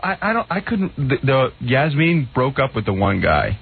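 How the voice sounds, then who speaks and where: Halting man with a gravelly, creaky voice. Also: medium pitch, big pitch swings. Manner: halting, rambling. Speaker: radio show participant. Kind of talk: casual chat. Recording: tinny, noisy radio recording.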